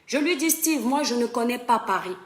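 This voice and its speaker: A woman's voice: fairly high pitch, lively intonation, moderate pace, reverberant. Impassioned woman on a live stream. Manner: impassioned, addresses viewers as "mes étoiles". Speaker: social media live streamer. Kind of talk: emphatic Facebook live monologue. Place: home in western France.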